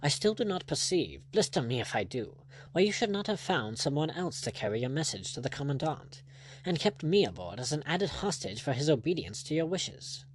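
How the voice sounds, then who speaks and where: Casting: male narrator as stiff, indignant nobleman, higher-pitched, animated, formal storybook delivery. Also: fairly quick, a little hiss or hum. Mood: bewildered. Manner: cold, haughty, formal. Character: haughty English aristocrat lord, stiff and indignant.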